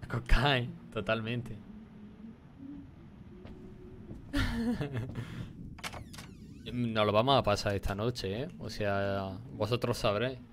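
A man's voice: on the low side, steady tone, unhurried, few pauses, background noise. A young man with a Spain Spanish accent giving crude, swearing, laugh-prone commentary while streaming a horror game. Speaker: gameplay streamer. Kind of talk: casual horror let's-play commentary.

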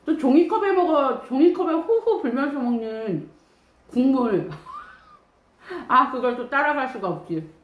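A woman chats slowly and unhurriedly as she eats on a live stream, her voice rising and falling a lot. She keeps a hand over her mouth while chewing, and the room around her sounds echoey. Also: sits high, expressive, highs cut off. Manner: slow, chatty, talking with food in mouth. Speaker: mukbang streamer. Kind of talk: casual live-stream chat while eating.

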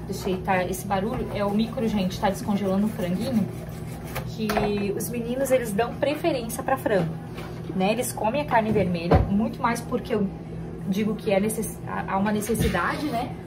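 A woman's voice: mid-range voice, moderate pace, loud music behind the voice. A woman with a Brazilian Portuguese accent, chatting casually to viewers as she does housework at home. She often breaks into fond baby talk with her daughter. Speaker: homemaker vlogger. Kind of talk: casual chat to viewers while doing chores. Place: at home, indoors.

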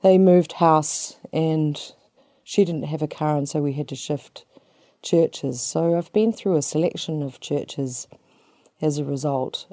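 A woman's voice: sits low, warm tone, no room sound. A woman in her fifties with a New Zealand accent, a psychotherapist introducing herself in a small studio with chatty, self-deprecating humor. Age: 50s. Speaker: psychotherapist guest. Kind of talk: relaxed personal introduction.

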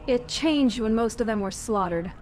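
A woman's voice: fairly high pitch, expressive, normal speed, a little mellow, faint music behind, natural voice. A woman voicing a guarded, blunt female elf warrior in a fantasy game. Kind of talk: fantasy game dialogue acting.

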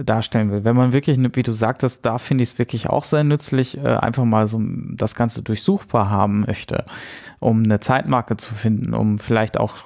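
A man's voice: medium pitch, vocal fry, a little mellow. A man talking casually as a podcast co-host, thinking aloud in a hesitant way.

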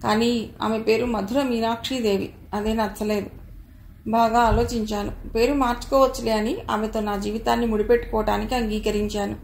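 A woman reading the part of a young married man who calmly confides about his wife. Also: a little high, normal speed, creaky. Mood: reflective. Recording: roomy echo, faint background noise.

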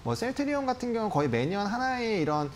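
A man's voice: high voice, very animated, quick pace, a little hiss or hum. A man in his thirties giving polite, explanatory market analysis as a guest on a studio stock show. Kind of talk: live market analysis commentary. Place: TV studio desk.

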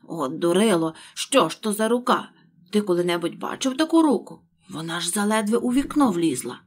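A woman voicing a fussy, short-tempered male rabbit who shouts and scolds his servant, in a husky voice. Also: mid-range voice, animated, brisk. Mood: scolding.

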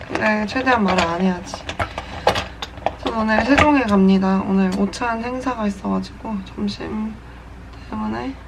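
A woman in her twenties with a mid-range voice and some vocal fry chats playfully while narrating her day for a vlog. She is a vlogger and broadcast reporter, and background noise can be heard.

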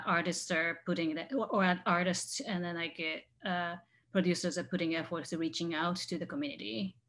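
Young woman, halting english full of fillers, on a video call. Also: fairly low pitch, gravelly, fairly bright tone. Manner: hesitant, many fillers. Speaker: guest set designer. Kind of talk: casual chat on video call. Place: home room.

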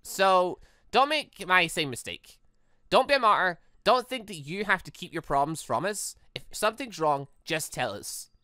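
A caring schoolgirl from a visual novel, emphatic and direct with her friend, as a gamer reads her. Her delivery is animated and bright, recorded dry. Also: mid-range voice, normal speed, smooth, no room sound, voice pushed up. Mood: insistent, caring. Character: caring, insistent rabbit-eared schoolgirl friend. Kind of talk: visual novel dialogue read aloud.

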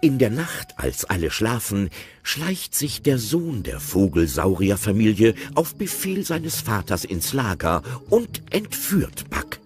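A man narrating an audio play with expressive, playful commentary. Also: fairly low pitch, takes it slowly, soft background music.

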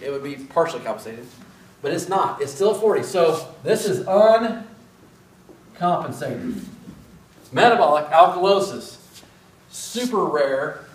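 A man's voice: on the high side, a little hiss or hum. Masked man lecturing in an echoey classroom. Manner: casual, self-deprecating, asks students questions. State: speaking through a face mask. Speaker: respiratory therapy instructor. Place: large classroom with whiteboard. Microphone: far camera. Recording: echoey room from far off.

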